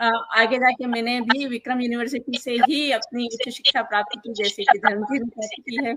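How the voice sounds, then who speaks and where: A woman speaks in a high pitch. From Madhya Pradesh, India (Jhabua). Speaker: writer and professor. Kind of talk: interview.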